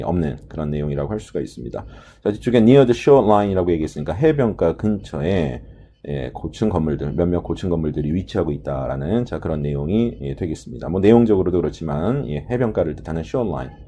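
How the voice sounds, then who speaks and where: A man's voice: low-pitched, mellow, husky. A man teaching a listening lesson for an English test, explaining answers step by step with many short filler words and spoken pronunciation examples. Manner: filler-heavy lecturing, frequent "ja" and "ye". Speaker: TOEIC listening instructor.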